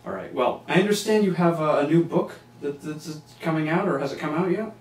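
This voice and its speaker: A man hosting an interview, asking casual questions in an informal, somewhat halting way. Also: a little high. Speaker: interviewer, show host. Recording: echoey, slightly noisy room, distant mic.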